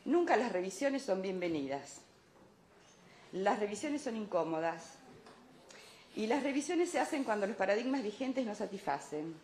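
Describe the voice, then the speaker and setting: A woman's voice: medium pitch, big pitch swings, moderate pace, pauses often, a little mellow. Woman giving an academic talk, echoey room. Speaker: academic conference speaker. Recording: echoey room, light background noise.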